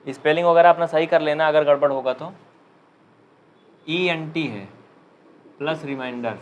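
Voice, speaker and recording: A man's voice: fairly high pitch, highs cut off, a little hiss or hum. Chatty male maths teacher, UP Hindi. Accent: Uttar Pradesh Hindi. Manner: chatty, joking, dictates slowly. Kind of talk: live online class.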